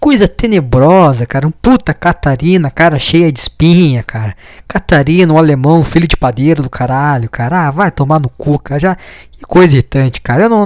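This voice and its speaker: A man's voice: a little high, dry recording. A man giving casual reaction commentary, mocking and exasperated, swearing often. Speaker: video commentator.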